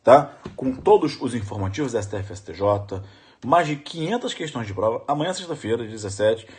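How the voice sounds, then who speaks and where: Lecturing for exam prep, a middle-aged Brazilian Portuguese-accented man teaches law with emphasis and animation, putting questions to his audience again and again. Here his voice sits mid-range, animated, a little fast and slightly mellow.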